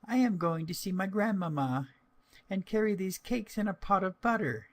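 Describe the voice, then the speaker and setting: A man voicing a small, trusting little girl with a high, sing-song childlike voice in a storybook reading. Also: expressive, moderate pace. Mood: innocent.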